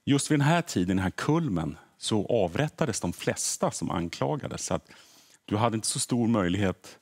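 Husky low-voiced middle-aged man explaining. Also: expressive. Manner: earnest, repeats words as he explains. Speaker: history podcaster guest. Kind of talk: explanatory studio interview. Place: TV morning show studio.

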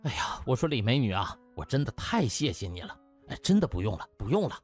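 A man playing a cheeky young doctor, husky and animated. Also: mid-range voice, fast, no room sound, soft background music. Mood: gushing, grateful. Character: flattering, cheeky young male hospital doctor.

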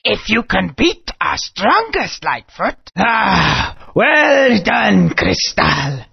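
A gravelly tribal dinosaur elder. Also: female voice, medium pitch, big pitch swings, extremely slow, full character voice. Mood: ceremonial. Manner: broken English, gravelly, ceremonial. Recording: dull lo-fi game audio.

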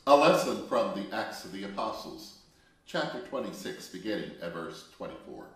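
A man leads liturgical prayer and reads scripture aloud in a slow, solemn, measured recitation. His voice sits on the low side. The recording is distant and heavily reverberant, as if the mic stood well across a very echoey room. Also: sing-song, fairly bright tone. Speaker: religious brother leading prayer.

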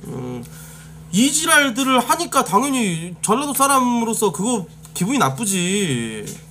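A man's voice: very high voice, sing-song, a little slow, sharp tone, slight background noise. A man from Jeolla, South Korea, chatting casually on a live stream. He talks bluntly, swears freely and answers his chat directly.

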